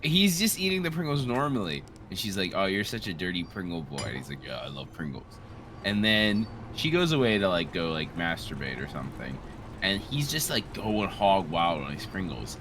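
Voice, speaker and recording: A man in his late twenties giving casual, joking game commentary in a crude, rambling, animated way. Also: low-pitched, normal speed, noisy background. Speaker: co-host of a gaming series.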